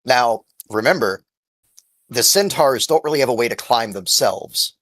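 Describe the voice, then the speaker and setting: A man runs a tabletop game as game master, narrating scenes at a slow pace. His voice is medium in pitch, a little husky and dryly recorded. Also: expressive, a bit bright, no echo.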